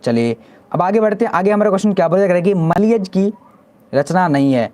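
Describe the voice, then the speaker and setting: Brisk high-voiced male teacher. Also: lively intonation, darkish tone. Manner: brisk quiz-style questioning, repeats each answer. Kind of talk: live online exam-prep class.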